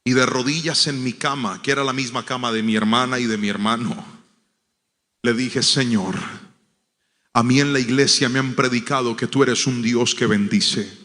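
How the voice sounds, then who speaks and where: A man preaching a sermon. He tells a story, dropping to a hush and then rising to loud, emphatic declarations. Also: medium pitch, steady tone, normal speed, big-room sound. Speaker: pastor.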